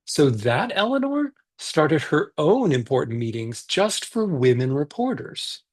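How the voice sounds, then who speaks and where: Guy reading as a soft-spoken storybook dad, bit husky, lots of lilt. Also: on the high side, big pitch swings, measured pace. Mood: warm. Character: gentle father of a young girl. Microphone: video call.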